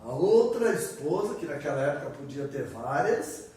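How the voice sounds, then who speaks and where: Brazilian male preacher, fairly high voice, chatty sermon, picked up from far off in a very echoey room. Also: very animated, moderate pace, mellow. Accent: Brazilian Portuguese. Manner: conversational, acts out prayers and asks the audience questions. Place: church hall.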